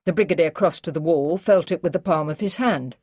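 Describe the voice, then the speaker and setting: A woman narrating an audiobook in a steady, clear storytelling manner. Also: low-pitched, brisk, dry recording, studio quality. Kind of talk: scripted narration.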